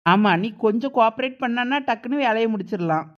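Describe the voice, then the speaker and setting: A woman's voice: on the high side, expressive, brisk, lo-fi sound, lightly acted. Woman voicing a teasing village elder sister. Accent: Thoothukudi Tamil. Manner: teasing, wheedling. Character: cheeky older sister grating coconut.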